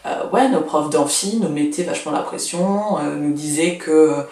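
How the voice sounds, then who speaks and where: A woman's voice: sits low, normal speed, a little mellow, recorded from a distance. Young woman. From Russia. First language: Russian. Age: 20s. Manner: chatty, frank, lots of fillers. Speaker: vlogger. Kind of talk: casual advice vlog. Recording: echoey room, voice from off mic.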